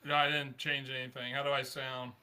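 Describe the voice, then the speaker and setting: A man's voice: medium pitch, level tone, fairly quick, bright, forceful tone, clear, resonant tone. Man with muffled underwater-sounding audio. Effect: muffled, garbled audio that sounds underwater. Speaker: podcast co-host. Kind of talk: casual sports chat. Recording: muffled, distant call-in audio.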